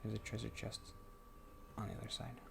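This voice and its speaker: A soft-spoken man with a quiet voice, halting and muttering to himself as he plays through a game, on a microphone turned up high. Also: steady tone, vocal fry, background noise. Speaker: gaming channel host. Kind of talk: casual gameplay commentary. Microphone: computer microphone turned up loud.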